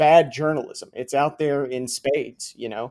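With an American accent, a man speaks at a fairly slow pace in an unremarkable speaking voice, fairly high in pitch with ordinary pitch variation, on a very clean recording with a silent background. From US South, Macon, Georgia. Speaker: religious newspaper journalist and publisher. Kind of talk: interview conversation.

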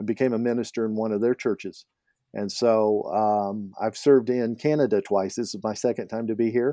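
This is an ordinary speaking voice with an American accent and fairly even intonation. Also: man. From Oklahoma, US. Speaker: college president and theologian. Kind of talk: casual interview conversation.

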